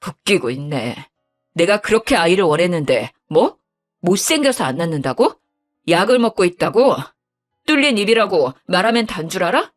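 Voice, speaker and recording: A woman voicing an angry young husband who scolds his lying wife in a lower, bitter voice in a dramatized story. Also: sing-song, moderate pace. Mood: bitter scolding. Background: faint background music.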